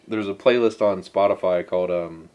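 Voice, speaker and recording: A man with a fairly low voice co-hosts a laid-back music review podcast. He talks in a relaxed, chatty way and tosses in quick jokey asides. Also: lo-fi sound. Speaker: podcast co-host. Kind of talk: casual chat.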